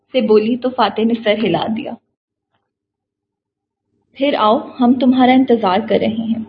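A woman's voice: a little high, lo-fi sound, a little hiss or hum. A woman reading a novel aloud as an audiobook narrator, telling the story steadily and expressively. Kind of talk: scripted narration.

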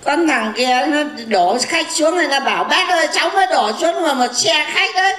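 A man's voice: extremely high pitch, lively intonation, normal speed, bright, forceful tone, full character voice. A man playing a boastful, teasing blind fortune teller in a stage comedy skit. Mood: grumbling. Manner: bragging, teasing, insulting banter. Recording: echoey live stage with audience.

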